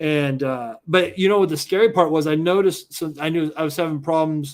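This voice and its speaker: A man speaks in a plain, everyday voice at a fairly high pitch and fairly quick pace, with ordinary pitch variation. The recording is very clean, with a silent background. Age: 40s. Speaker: livestream host. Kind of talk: casual chat.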